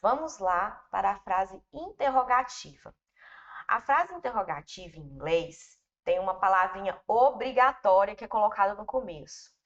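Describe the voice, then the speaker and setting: An English teacher with a Brazilian Portuguese accent, this woman explains grammar patiently and in stages, repeating points and talking informally with students. Her mid-range voice is animated and moves at normal speed, captured in a dull, lo-fi recording.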